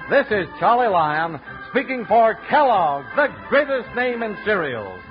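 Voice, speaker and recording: A man's voice: high-pitched, big pitch swings, a little slow. An American man announcing in a polished old-time 1950s radio style, reading sponsor messages to young listeners. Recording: dull vintage radio recording with music. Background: music.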